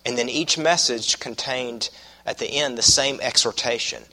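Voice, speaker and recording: Croaky Southern preacher, bright forceful voice. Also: male voice, medium pitch, poor audio. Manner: folksy, deliberate, repeats phrases for emphasis. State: croaky from a cold and cough. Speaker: pastor preaching to his congregation. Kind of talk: expository sermon.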